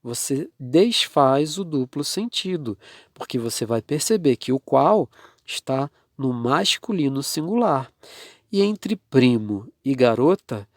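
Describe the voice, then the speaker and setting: A man teaching a grammar lesson, speaking deliberately and repeating the key terms for his students. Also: a little high, no room sound, studio quality.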